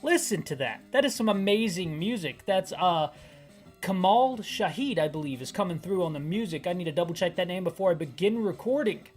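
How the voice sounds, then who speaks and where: A man's voice: sits high, expressive, brisk, faint music behind. A man in his thirties giving rambling, hyper gameplay commentary as he describes a video game aloud for listeners. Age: 30s. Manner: rambling, hyper, self-deprecating. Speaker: gaming YouTuber.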